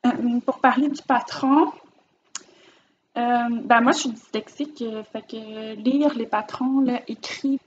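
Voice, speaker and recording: Filming herself with the camera mic, a woman with a Quebec French accent talks slowly through her finished knitting in a casual vlog, warm, chatty and a bit rambling. Her pitch is on the high side and her intonation fairly even. The highs are cut off, and there's slight noise behind her.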